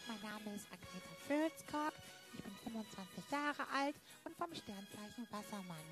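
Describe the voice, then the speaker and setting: A woman playing a prim woman of twenty-five presenting herself to suitors in an improvised radio play, in a stilted, deliberate way. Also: mid-range voice, animated, lightly acted. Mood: self-presenting. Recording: clear music under the voice. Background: music.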